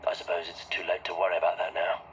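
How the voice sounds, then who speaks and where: Deep-voiced, brooding officer. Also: male voice, monotone, fast, fairly bright tone, slight background noise, low-quality recording. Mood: tense, foreboding. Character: grim, uneasy male military officer awaiting attack. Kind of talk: acted sci-fi game audio log.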